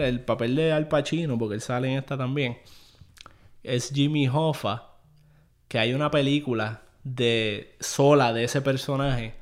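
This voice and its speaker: Man chatting about films. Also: mid-range voice. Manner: rambling, mixes English phrases into Spanish. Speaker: podcast host. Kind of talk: casual chat.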